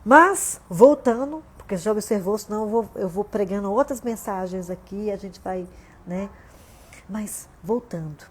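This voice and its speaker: Her voice is mid-range and a bit breathy, at a moderate pace: a Brazilian woman pastor with a Brazilian Portuguese accent, livestreaming a sermon from home. She keeps the preaching conversational, with frequent "né?" and "gente."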